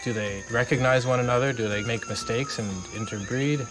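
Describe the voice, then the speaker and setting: A man's voice: medium pitch, steady tone, a little fast, music in the background. Casual man talking in the field.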